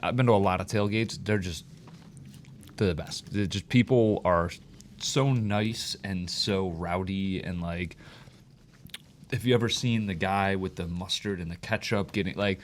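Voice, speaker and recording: Male podcast regular, lower register, loose rambling chatter. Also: unhurried, a little hiss or hum. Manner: rambling, heavy use of "like". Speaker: podcast regular, Bills fan. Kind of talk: casual podcast chat.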